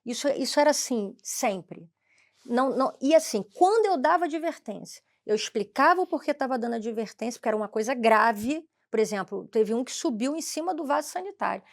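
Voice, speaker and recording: A Brazilian woman with a slightly high voice tells a story in an animated way. She acts out each person's lines and shifts her tone for each one, the way a former school principal recalls her students. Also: fairly quick. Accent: Brazilian Portuguese. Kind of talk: lively storytelling in conversation.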